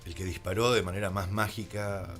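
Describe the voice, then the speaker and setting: A man's voice: lowish voice, fairly even intonation, fairly quick, a bit bright, soft background music. An Argentine man telling stories conversationally as a radio interview guest, slipping into reported dialogue as he goes. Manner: anecdotal, acts out reported dialogue. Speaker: guest, radio drama creator.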